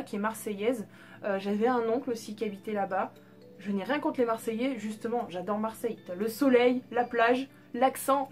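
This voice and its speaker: A woman's voice: fairly high pitch, darkish tone. A young woman telling a candid personal story in a casual vlog, chatty with lots of fillers and the odd swear word. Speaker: vlogger.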